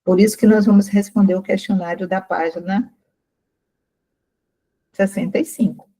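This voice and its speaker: Older woman leading a slow study group. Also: medium pitch, steady tone, dark tone, slightly rough, rough recording. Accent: Brazilian Portuguese. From Brazil. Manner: slow, careful, asks the group questions. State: straining her throat. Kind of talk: reading aloud and explaining to a group.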